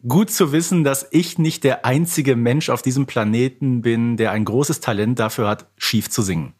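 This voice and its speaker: A man's voice: medium pitch, moderate pace, a little mellow, husky. A man co-hosting a casual quiz podcast, chatting like an eager fan who keeps adding trivia details. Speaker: podcast co-host. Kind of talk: casual chat, quiz banter.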